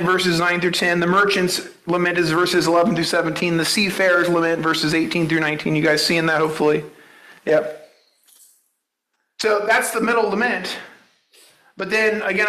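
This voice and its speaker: A man's voice: fairly high pitch, pushed and bright, echoey room, poor audio. A man preaching a sermon, explaining a Bible passage in a conversational teaching manner and checking in with the congregation. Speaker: pastor.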